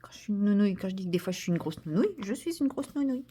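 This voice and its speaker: At medium pitch, her voice animated, racing, dark, and slightly rough, a French vlogger chats while coloring at an indoor desk. The tripod-recorded vlog is casual and self-deprecating, with occasional dips into a whisper.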